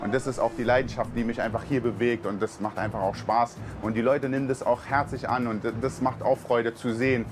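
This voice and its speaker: A man's voice: medium pitch, steady tone, fairly quick, hardly any pauses. A man from Berlin, a truck driver on a mission team, gives an earnest, heartfelt personal testimony with many fillers. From Berlin, Germany. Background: music.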